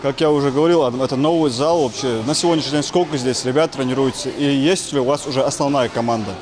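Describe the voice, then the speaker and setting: A man, a TV reporter asking a coach brisk, leading questions in a news interview. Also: mid-range voice.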